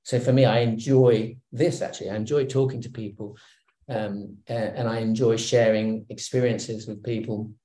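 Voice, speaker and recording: A middle-aged man from Hong Kong, a guest on a video call interview, speaking in a relaxed, reflective way with many fillers and restarts. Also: fairly low pitch, normal speed. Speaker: guest executive. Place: home room. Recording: roomy video call audio.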